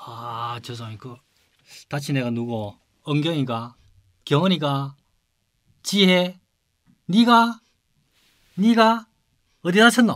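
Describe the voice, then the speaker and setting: The man speaks at a very slow pace in a bright, sharp tone. His pitch swings very widely. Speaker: entertainment journalist and co-host. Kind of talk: casual chat. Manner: playful, jokey.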